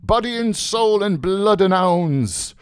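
A man's voice: high voice, expressive, takes it slowly, smooth, no echo, studio quality, pitched above the performer's own voice. A man voicing an exuberant, mocking young joker who declaims with mock solemnity in a dramatised novel reading. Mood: booming, mock-solemn.

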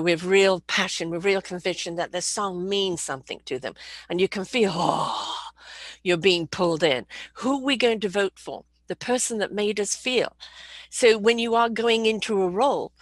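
A woman hosts an interview, lively and encouraging, with a voice of middle height. Her words come across dry and close to the mic. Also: mid-range voice, moderate pace, no echo. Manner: animated, encouraging, laughs often. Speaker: interview host. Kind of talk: conversational interview.

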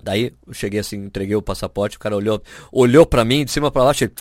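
With a Brazilian accent, this podcast host chats casually through anecdotes, putting on animated voices for everyone he quotes. He talks fast in a voice on the low side, in studio-quality audio with no room sound.

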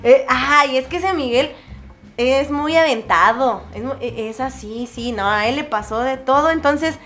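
High-voiced Mexican woman radio host. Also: a little slow, a bit bright, a little hiss or hum. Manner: chatty, laughing, playful. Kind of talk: casual radio chat.

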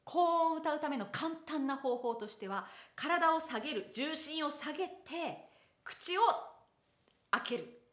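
A woman teaching singing in an online lesson, explaining things in a lively way and breaking into short sung examples. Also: sits high, a little slow, reverberant.

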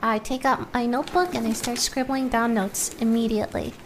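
A woman's voice: a little high, steady tone, fairly quick, slight background noise. A woman improvising in character as a player in a tabletop role-playing game.

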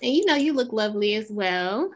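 A woman co-hosting a podcast in casual chat, playful and quick to interject, slipping into vernacular. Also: fairly high pitch, lively intonation. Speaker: podcast co-host.

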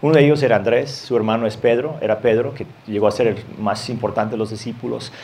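Un hombre que predica un sermón en tono conversacional, leyendo pasajes bíblicos y riendo un poco de vez en cuando. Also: male voice, mid-range voice, steady tone, fast talker, dark tone, slight background noise. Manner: conversational, reads scripture aloud with light laughs. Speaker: pastor. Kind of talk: sermon.

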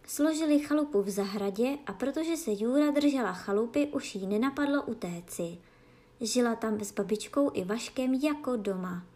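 A woman reading a fairy tale aloud as a bedtime story, gentle and expressive. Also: a little high.

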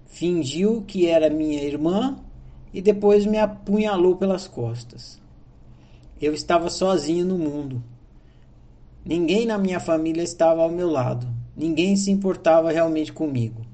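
A man's voice: a little high, unhurried, mellow. A man with a Brazilian Portuguese accent, reading a personal diary entry aloud in an earnest, reflective way. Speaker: diary narrator.

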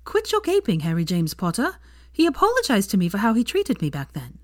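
A woman reading the lines of a young woman who is a patient but prickly friend, speaking in a brisk, earnest way. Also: medium pitch, wildly swooping pitch, no room sound, clean studio sound, pitched above the performer's own voice. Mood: earnest, annoyed.

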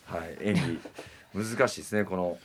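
A man co-hosting a radio show, talking in quick, laughing banter. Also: deep voice, a crowd in the background. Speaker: radio co-host. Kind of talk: casual radio chat.

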